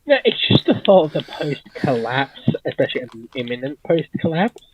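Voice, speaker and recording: A man's voice: mid-range voice, big pitch swings, moderate pace. A man chipping in with casual banter as a panellist on a livestream, over a slightly dull connection.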